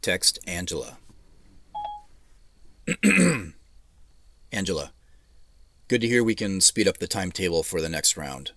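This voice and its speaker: An actor playing a weary, polite tech CEO dictating messages in short, measured, businesslike phrases. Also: male voice, sits low, big pitch swings, creaky, pushed and bright, exaggerated voice. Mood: conciliatory, businesslike.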